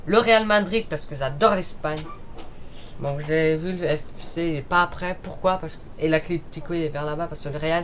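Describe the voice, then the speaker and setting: A man from Paris talking casually in an unscripted vlog, often stumbling and correcting himself as he goes. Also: high-pitched. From Paris, France. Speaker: YouTuber ranking football clubs. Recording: noisy recording with clicks.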